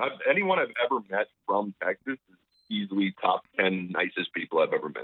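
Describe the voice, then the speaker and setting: Here a man speaks with an Ontario accent. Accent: Canadian (Ontario). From Toronto area, Canada. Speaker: actor and rapper. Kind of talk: casual chat. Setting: remote call. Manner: animated.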